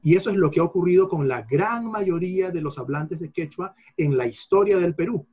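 Guy lecturing, husky voice a bit high, keeps repeating examples and restarting bits. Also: animated, brisk, darkish tone. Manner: didactic, repeats examples, self-corrects mid-phrase. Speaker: lecturer on Quechua linguistics. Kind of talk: explanatory lecture answering a participant.

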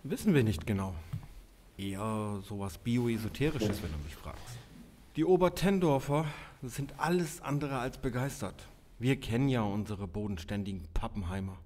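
A man's voice: fairly low pitch, moderate pace, darkish tone, slight background noise, close to an everyday voice. An actor playing a middle-aged policeman and worried father in an audio drama. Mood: matter-of-fact. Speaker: police officer in drug squad.

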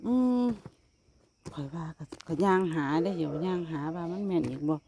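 A vlogger with an Isan Thai accent chats casually on her phone from a rural yard outdoors, calling her viewers "brothers and sisters." Her voice is lowish and gravelly at a moderate pace, and crowd noise can be heard behind her.

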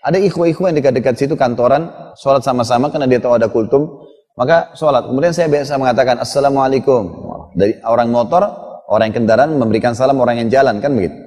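A middle-aged man preaches with a mellow, dark tone, telling family stories in an earnest, fatherly manner. His voice carries a long hall reverb around it, as if he is speaking in a large mosque or lecture hall. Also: racing. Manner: storytelling, earnest and fatherly, lively in pitch. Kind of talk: sermon.

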